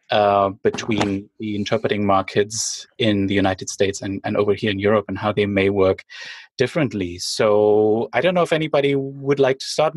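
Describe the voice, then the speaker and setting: Brief: male podcast host, low voice, chatty, moderating a panel. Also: slightly rough, no room sound. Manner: friendly, filler-heavy, quick asides. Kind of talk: hosting a live podcast panel. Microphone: video call.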